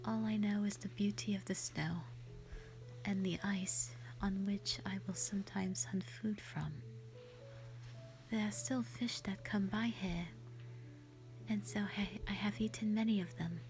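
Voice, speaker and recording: A woman acts out a kindly, lonely white dragoness from an audio roleplay. The voice is mellow and whispery, moving slowly and carefully with sweet, formal reassurance. Music plays behind it. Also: mid-range voice, steady tone, natural voice, rough recording. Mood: soft, wistful. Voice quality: soft, breathy, often whispery. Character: gentle, lonely female white dragon, kind to humans. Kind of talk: roleplay audio drama, addressing the listener.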